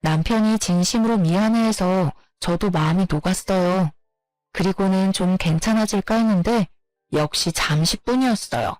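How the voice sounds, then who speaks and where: A woman narrating a true-life story in a steady retelling, growing heated in the quoted arguments. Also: mid-range voice, moderate pace, dry recording, faint music behind, low-quality recording.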